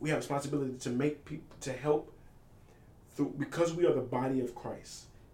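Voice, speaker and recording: A man with a medium-pitched, somewhat breathy voice sounds animated, with ordinary pitch variation. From US South, Brunswick, Georgia. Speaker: faith podcast host. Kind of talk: sermon-style podcast monologue. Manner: animated, repetitive emphasis.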